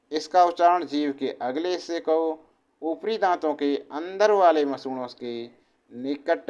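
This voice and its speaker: Very slow-speaking male Hindi teacher. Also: on the high side, a little mellow. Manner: slow and deliberate, sounding out syllables. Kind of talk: exam-prep phonetics lecture. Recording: dull lo-fi classroom recording.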